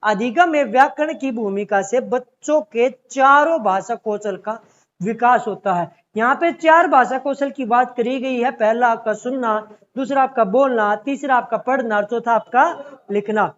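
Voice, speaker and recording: A man's voice: very high voice, measured pace, fairly bright tone, highs cut off. A man teaching an exam-prep language class, explaining step by step and repeatedly calling his students "beta".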